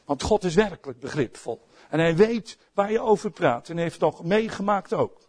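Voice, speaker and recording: A middle-aged Dutch-accented man preaching with a lot of life. His voice sits high, and he moves from soft, quiet asides to loud, emphatic outbursts. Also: expressive, moderate pace, slightly rough. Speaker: pastor. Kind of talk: sermon.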